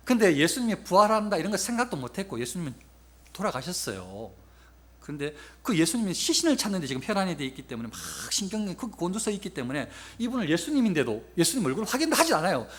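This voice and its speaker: A man's voice: a little high, fairly bright tone. A man preaching a sermon as a pastor, retelling a Bible story and acting out the quoted lines with rising emotion. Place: church sanctuary.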